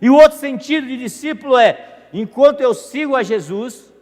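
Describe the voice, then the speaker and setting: A man preaching a sermon as pastor, animated and jokey, asking the congregation questions. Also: very high voice, normal speed. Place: church hall. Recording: echoey church hall with music.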